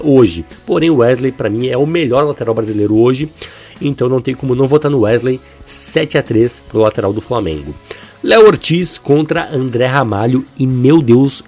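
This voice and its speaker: A Brazilian man hosts a football comparison in a conversational, opinionated style. His voice is husky and rough, thick with a blocked nose and a swollen sore throat from flu. His pitch is average for a man, and music plays softly behind him. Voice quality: congested, stuffy-nosed, husky. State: sick with flu, stuffy nose, inflamed throat. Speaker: football video host. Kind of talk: football commentary, player-by-player comparison. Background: music under the voice.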